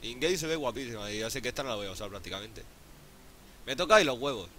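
A man with a Spain Spanish accent doing casual gameplay commentary, excitable, swearing often and pleading out loud. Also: medium pitch, quick pace, slight background noise. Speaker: gaming YouTuber.

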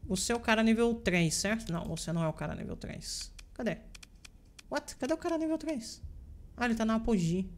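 A woman with a Brazilian Portuguese accent hosting a let's play, chatty and playful, teasing the enemies out loud as she plays. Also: fairly high pitch, expressive, a little fast, a little hiss or hum. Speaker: gaming channel host.

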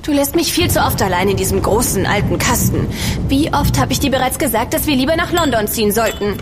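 An actress voicing a nagging, neglected noblewoman with a high, sharp-edged voice. Loud music plays behind her in a studio radio play. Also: animated, a little fast, close to an everyday voice. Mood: reproachful. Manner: nagging, reproachful. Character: scolding, neglected lady of the manor. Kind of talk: German radio drama acting.

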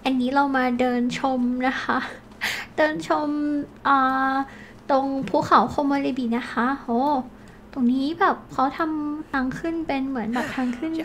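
A woman's voice: high-pitched, steady tone, measured pace, fairly bright tone, slight background noise. A woman hosting a gaming channel, chatting playfully to viewers as she comments on her game.

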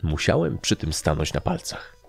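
A man's voice: a bass voice, very animated, normal speed, gravelly, slightly rough, soft background music. A man narrating a first-person fantasy story as an audiobook reader, reading expressively.

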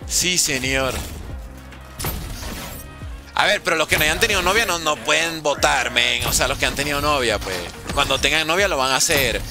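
A young man chatting jokily with his stream chat while playing, with sudden animated outbursts. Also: fairly high pitch, moderate pace, vocal fry, music in the background. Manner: jokey, reads and answers chat, animated outbursts. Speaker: gaming streamer.

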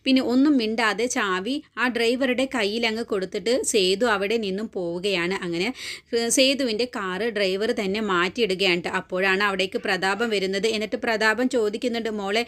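A woman recaps a serial episode in an easy, conversational storytelling voice. Her pitch sits in a middling range, and she keeps her telling chatty and informal, tagging her sentences with friendly little words. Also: a little fast, a bit bright. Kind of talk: casual spoken story retelling.

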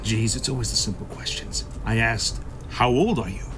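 Sci-fi audio drama: sly, swearing, sarcastic black-market shopkeeper male actor, mid-pitched, clear background noise. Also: moderate pace, close to an everyday voice. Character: foul-mouthed, sly black-market shop boss, grimly pragmatic. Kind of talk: science-fiction audio drama acting.

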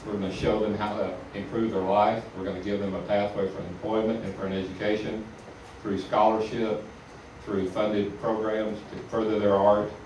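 A man's voice: on the low side, moderate pace, far from the mic. Older man, echoing PA speech from afar. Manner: flat, declarative. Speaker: event speaker. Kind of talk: public speech. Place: outdoor evening event. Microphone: handheld mic, camera far off. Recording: echoey PA heard from afar. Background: crowd ambience noise.

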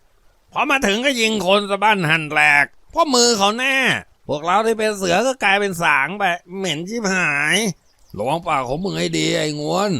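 A man's voice: fairly high pitch, quick pace, gravelly, hardly any pauses, fairly bright tone, no echo, voice pushed up, full character voice. A man voicing a drunken, cowardly male village thug who slurs his words. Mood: taunting. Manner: slurred drunken speech.

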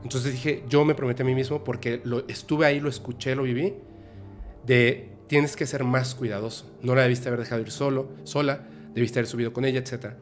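Guy hosting a podcast, halting emotional storytelling, faint music under it. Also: mid-range voice, fairly even intonation. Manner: halting, emotional, many restarts. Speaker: podcast host.

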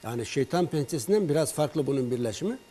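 A man tells health stories in an animated way, acting out the calls between himself and a patient. His voice sits a bit high for a man yet sounds dark and mellow. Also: fast, slight background noise. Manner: animated storyteller, acts out patient's and his own words in dialogue. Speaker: herbal remedy expert on a broadcast. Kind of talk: storytelling health talk.

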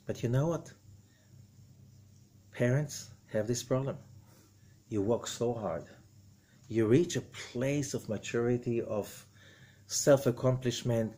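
An older man giving an animated spoken lesson as a rabbi, quoting figures dramatically. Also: mid-range voice. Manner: expressive, gestures broadly, quotes figures dramatically. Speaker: rabbi teaching Zohar. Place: indoor room with wood paneling.

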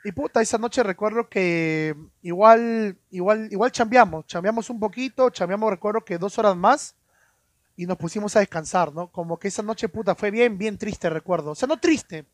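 A man spins a story for his stream audience, stumbling over and repeating his words. His voice sits high. The sound is dry and close, with no room echo. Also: normal speed. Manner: stammering, repeats words, swears casually. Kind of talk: casual storytelling on a live stream.

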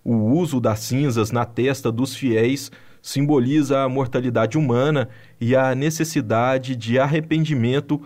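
A man with a Brazilian Portuguese accent reading a scripted news voice-over in an even, measured way. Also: mid-range voice. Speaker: news narrator.

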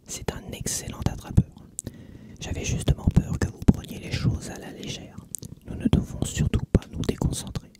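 A driven young male team captain from a storybook, always worried about losing. A reader whispers him softly, with no raised voice. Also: close to an everyday voice. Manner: whispered throughout.

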